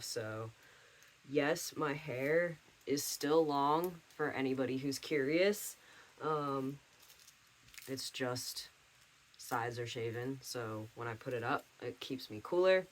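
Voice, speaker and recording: A young trans man chatting casually to camera from home, rambling with lots of fillers. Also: medium pitch. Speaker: vlogger. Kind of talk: casual video diary.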